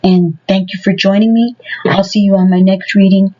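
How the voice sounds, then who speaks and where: A woman's voice: medium pitch, steady tone, moderate pace, dark tone, highs cut off. A woman giving a casual tarot reading to her viewers. She talks in a rambling way and fills her sentences with many "you know"s. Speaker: tarot reader.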